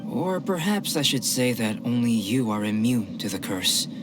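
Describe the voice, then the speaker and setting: Actor for a calm, analytical young alchemist: formal, even delivery, music underneath. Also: male voice, medium pitch, normal speed, lightly acted. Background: game music.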